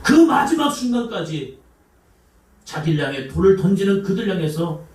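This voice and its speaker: A male pastor preaches with a fairly high voice that rings through a roomy church hall. He quizzes the congregation and plays out quoted voices with cries and sighs, and the mic picks him up from a distance. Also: very animated, moderate pace, a little mellow. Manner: asks the congregation questions. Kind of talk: sermon. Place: church sanctuary.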